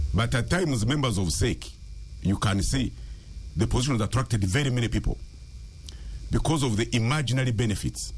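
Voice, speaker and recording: With lively intonation, a man with a fairly low pitch talks at a very fast pace against noticeable background noise. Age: 60s. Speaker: politician. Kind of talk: radio talk show discussion.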